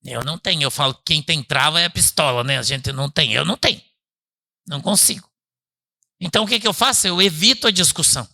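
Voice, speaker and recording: Bright-voiced male pastor preaching casually. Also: fast talker, gravelly. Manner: chatty, asks the congregation "né?" and calls them "irmão"; swings from loud emphatic bursts to low quiet asides. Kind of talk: conversational sermon. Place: church service.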